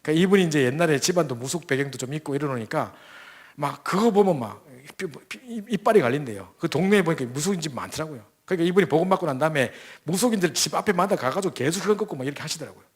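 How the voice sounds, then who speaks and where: A young man preaching a sermon, telling a story full of quoted dialogue and quick restarts. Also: fairly high pitch, expressive, slightly rough. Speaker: preacher at a church training camp. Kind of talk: sermon with acted-out stories.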